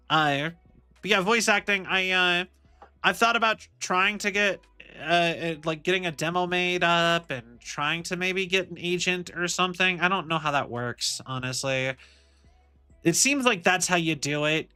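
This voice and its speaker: A man's voice: on the high side, bright, forceful tone, clear, resonant tone. A young man streaming as a VTuber, chatting casually and rambling, often circling back with "like I said". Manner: rambling, repeats "like I said".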